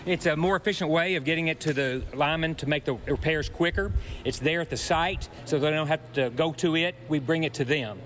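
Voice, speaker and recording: A man's voice: fairly high pitch, a little fast, a bit bright. A man speaking as a utility spokesman, giving plain explanatory answers in a news interview. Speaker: power company spokesman being interviewed. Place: warehouse. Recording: faint hum behind.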